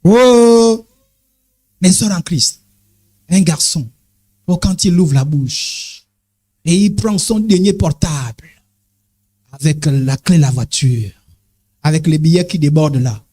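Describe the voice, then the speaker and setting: A man preaching an animated sermon as an apostle, exclaiming and calling "amen, amen" to the congregation, swinging his pitch up and down for emphasis. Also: takes it slowly, pauses often. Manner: swings sharply between high and low pitch for emphasis.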